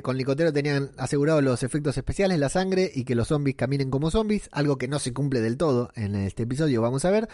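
A man with an Argentine Rioplatense Spanish accent gives casual, chatty commentary on a TV series, rambling with many fillers and restarted phrases. His voice is a little high and a little mellow, recorded as clean studio sound with no room sound.

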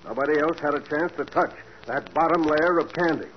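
Actor playing a blunt cop sergeant, higher-pitched man, hissy vintage radio. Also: brisk, lightly acted. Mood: matter-of-fact. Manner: blunt, matter-of-fact. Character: gruff, blunt male police sergeant. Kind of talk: 1940s radio acting. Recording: dull hissy 1940s radio recording.

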